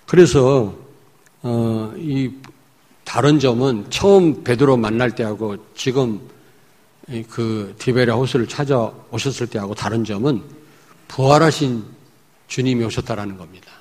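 A male pastor preaching a sermon emphatically, swinging between loud points and hushed asides. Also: medium pitch, measured pace. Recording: echoey hall.

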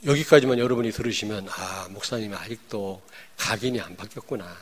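A man, a pastor, preaching a sermon. He swings between loud declarations and hushed, chatty asides, and keeps throwing rhetorical questions at the congregation. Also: fairly low pitch, a little fast, slightly rough.

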